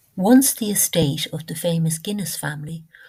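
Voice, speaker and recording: A woman with an Irish accent speaks in a fairly low, dark, mellow voice that is somewhat breathy. Her pitch varies in an ordinary way. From Ireland. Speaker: painter. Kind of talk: ghost story narration.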